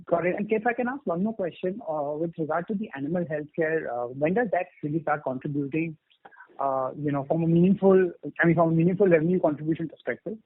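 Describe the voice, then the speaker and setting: A man asks questions as an analyst on a conference call. His voice is a bit high and quick, heard through a muffled phone line. He rambles and often rephrases midway. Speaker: investor or analyst asking questions.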